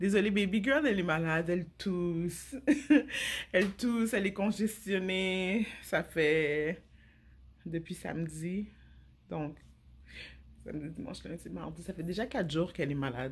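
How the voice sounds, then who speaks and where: At a fairly slow pace and a fairly low pitch, a woman speaks in a somewhat breathy voice with ordinary pitch variation and long, frequent pauses. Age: 40s. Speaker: daycare educator on maternity leave. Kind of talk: casual vlog talk to camera.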